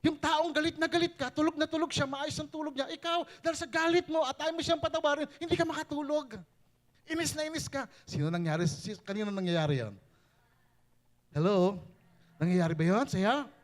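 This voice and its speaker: A male pastor preaching a sermon, switching between Tagalog and English with animated, rising emphasis. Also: very high voice, brisk.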